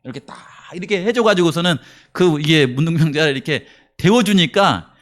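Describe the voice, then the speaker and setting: A male pastor preaching a sermon, telling a story with acted-out quotes and questions put to his congregation, swinging between quiet murmurs and raised emphasis. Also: a little high, lively intonation, fairly quick.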